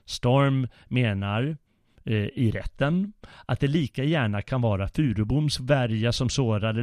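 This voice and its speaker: A man hosting a history podcast, telling a story and reciting old poetry in a measured, deliberate way. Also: mid-range voice, a little mellow, no room sound, clean studio sound. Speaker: podcast host and guide.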